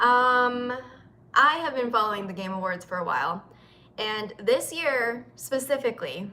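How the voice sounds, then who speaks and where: Her voice is high in pitch, and the woman speaks at a moderate pace with lively intonation. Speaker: gaming streamer. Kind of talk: live stream chat. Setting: live stream away from home. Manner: casual, filler-heavy.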